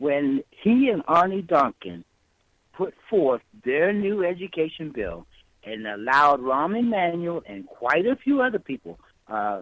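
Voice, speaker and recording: A man with an American accent speaks at a fairly slow pace in a fairly high pitch. His pitch swings very widely. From US South, South Carolina (York County). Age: 60s. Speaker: caller. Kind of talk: call-in radio comment. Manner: animated.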